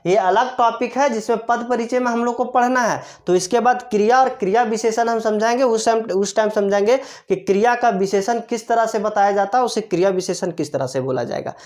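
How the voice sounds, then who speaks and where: A grammar teacher, female, gives a classroom-style explanation in a mid-range, slightly mellow voice. Step by step, she asks rhetorical questions, answers them herself, and repeats every key term.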